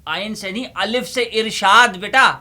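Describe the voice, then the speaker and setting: A man playing a theatrical, easily exasperated old uncle librarian who presents and recites comic poetry in a declamatory way with deliberate pauses. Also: high voice, bright, forceful tone. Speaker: host.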